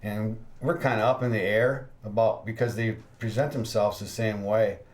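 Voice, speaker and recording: A man's voice: lowish voice, steady tone, normal speed. A man hosting a ghost-hunting podcast, telling investigation stories in casual chat. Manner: storytelling, laughs at his own tales. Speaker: ghost hunter podcast host.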